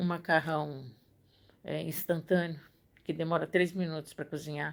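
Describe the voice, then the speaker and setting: At a fairly slow pace, a woman speaks in a flat monotone with a very deep, low pitch. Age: 70s. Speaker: feminist activist. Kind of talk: testimony.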